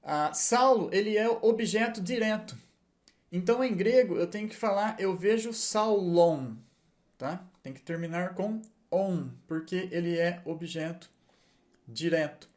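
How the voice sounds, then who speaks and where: With a high voice and a slightly slow delivery, a male Hebrew and Greek teacher leads a patient lesson. He breaks things down step by step and frequently checks that his listeners are keeping up.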